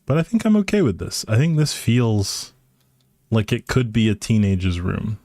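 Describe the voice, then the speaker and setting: A man live streams a life simulation game, thinking aloud in casual, hesitant commentary that often trails off. His fairly low, darkish voice is sing-song at a moderate pace, with clean studio sound and no room sound.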